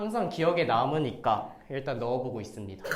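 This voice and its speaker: A man with a fairly high pitch talks in a space with audible room echo. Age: 20s. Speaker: student speaker. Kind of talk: lecture. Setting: stage with audience. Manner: casual, conversational.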